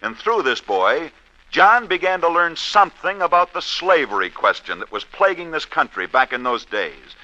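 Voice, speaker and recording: A man narrates scripted sports tales in a dramatic, declamatory manner, like a host of a 1940s radio show. His voice is very bright and ringing, and sits a little high. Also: big pitch swings, normal speed, muffled recording.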